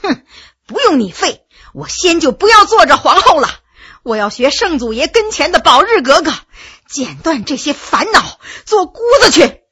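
A woman's voice: sits high, huge pitch swings, unhurried, sharp tone, no room sound, clean studio sound, exaggerated voice. A woman storyteller voicing a proud, furious empress who speaks with bitter scorn. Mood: tearful rage.

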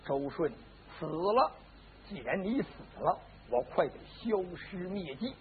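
A male storyteller voicing a crude, scheming young manservant who mutters low and slyly, on a lo-fi recording. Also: big pitch swings, a little slow. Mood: startled. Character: [a man doing] a scheming young male servant, crude and sly. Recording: lo-fi phone-like band with faint hiss.

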